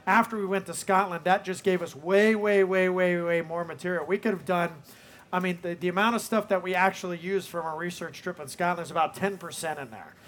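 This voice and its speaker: Man, film director, high-set voice, live Q&A, rambling and filler-heavy. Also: fairly even intonation, a little fast, fairly bright tone. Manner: rambling, leans on "you know". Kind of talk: live Q&A answers.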